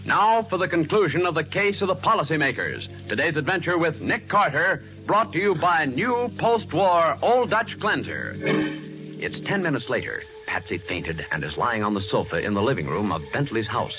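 Male radio announcer; highish, lively, formal delivery, vintage 1940s narration over music. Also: moderate pace, muffled recording. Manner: formal, polished.

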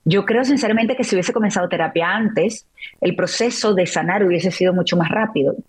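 A woman's voice: on the low side, brisk, husky. A middle-aged woman, a guest on an interview show, telling a personal story in an emotional, reflective way and often restarting her sentences.

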